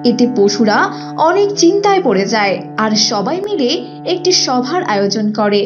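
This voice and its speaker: A woman narrates a children's story from a script. Her voice is high and animated, with music playing behind her. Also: normal speed, lo-fi sound.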